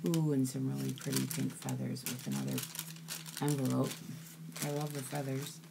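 A woman's voice: rumbling low, sing-song, moderate pace, gravelly, heavy background noise. A woman chatting casually as she unpacks craft mail, gushing with "ooh" and "so cute" at every item. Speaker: crafting vlogger. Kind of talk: casual unboxing chat.

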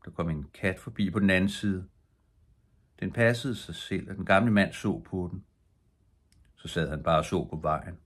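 Older man with a low, husky reading voice. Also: pauses often. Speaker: audiobook reader. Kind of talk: bedtime story read aloud.

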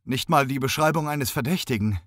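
A gruff police detective in an audiobook, blunt and intimidating, leaning on a suspect, as a male narrator puts him on. The voice sits a little above the narrator's own, close and dry. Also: medium pitch, brisk, a bit bright, no room sound, close to an everyday voice. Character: gruff male detective playing bad cop.

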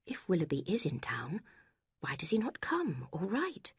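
Worried, reserved young woman, read by a woman; low, hushed, husky delivery. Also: expressive, moderate pace, no echo, clean studio sound.

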